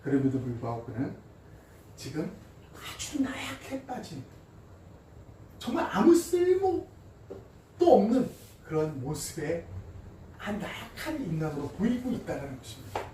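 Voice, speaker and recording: A man preaching a sermon as pastor, with emphatic loud stresses and soft drops. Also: on the high side, wildly swooping pitch, moderate pace, pauses often. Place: church sanctuary. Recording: echoey church hall, voice from a distance, faint noise.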